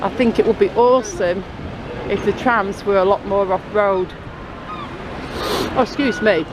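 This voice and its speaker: Chatty, sniffly woman narrating a site walk on a handheld camera, loud traffic noise behind. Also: mid-range voice, a little slow. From Blackpool, England. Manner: chatty, rambling, friendly asides to viewers. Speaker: local vlogger. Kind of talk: casual walking commentary. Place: outdoors by a building site and tram stop. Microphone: handheld camera filming as she walks. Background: passing cars and trams.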